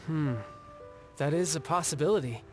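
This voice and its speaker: A man's voice: on the high side, moderate pace, loud music behind the voice, natural voice. A man voicing a young, self-assured warrior in a video game, talking in a conversational, reflective way. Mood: unsettled, musing. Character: young male warrior, breezy, battle-loving, self-assured. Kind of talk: video game voice acting, story dialogue.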